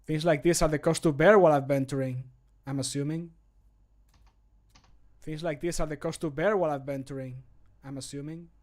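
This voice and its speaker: A man's voice: on the high side, fairly even intonation, normal speed, long pauses, darkish tone, lightly acted. A man voicing a wry fantasy game adventurer, theatrical and projected, recorded close to the microphone. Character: wry male fantasy game adventurer cracking bear puns. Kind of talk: video game voice line takes. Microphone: close studio microphone.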